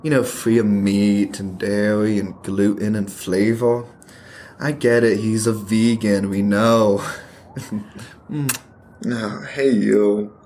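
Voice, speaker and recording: A man's voice: lowish voice, fairly even intonation, slow, a little mellow, slight background noise. A man acting in a radio play as a wry, catty gay art handler from Missouri, chatty and sardonic in naturalistic dialogue. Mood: teasing, wry.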